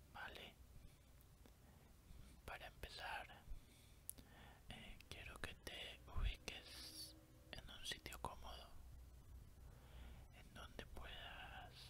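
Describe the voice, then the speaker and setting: Someone whispers at a very slow pace. Long pauses come often. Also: man. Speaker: ASMR creator. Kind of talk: guided relaxation meditation for sleep. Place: home room. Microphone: studio mic.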